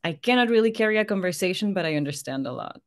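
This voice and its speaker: A woman's voice: medium pitch, lively intonation, fast talker. A woman in her thirties, a native Spanish speaker, chatting casually as an interview guest into a studio mic at home. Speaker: podcast guest. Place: small room at home, video call. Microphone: studio condenser mic on boom arm, headphones.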